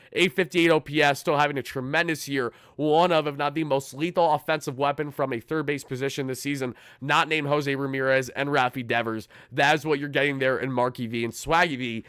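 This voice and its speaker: A young man with a hoarse, raspy edge left over from yelling at a game, pitched a little high. He talks in a fired-up, fast run with quick restarts, like a fan hosting his own pregame show. The sound is close and dry, with no room around it. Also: no echo. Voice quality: raspy from shouting. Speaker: sports channel host. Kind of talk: live-stream pregame talk.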